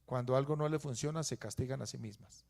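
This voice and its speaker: A man preaching a sermon, swinging from loud emphatic peaks to quiet, low asides. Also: quick pace, creaky. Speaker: pastor.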